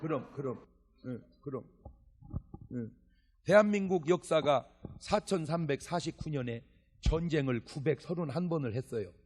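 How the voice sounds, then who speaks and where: A man's voice: fairly high pitch, moderate pace, pauses often, slight background noise. A male pastor preaching a sermon at a church revival service, telling jokey stories and acting out dialogue. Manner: animated, joking storytelling with acted dialogue.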